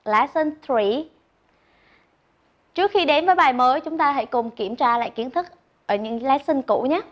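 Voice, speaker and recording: A woman teaching English online, encouraging, repeating words slowly for learners, recorded close to the mic. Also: high-pitched. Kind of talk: online classroom lesson.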